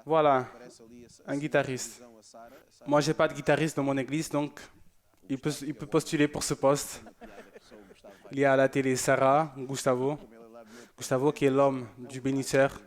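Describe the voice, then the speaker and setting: A man presenting a church show, chatting casually and joking as he reads out viewer messages. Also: mid-range voice.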